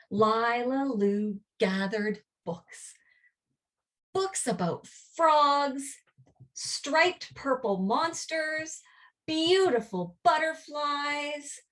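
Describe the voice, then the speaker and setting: A woman reading a children's picture book aloud in an expressive, deliberate storytelling manner, drawing out her words. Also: on the high side, far from the mic. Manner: animated, drawn-out, deliberate storytelling.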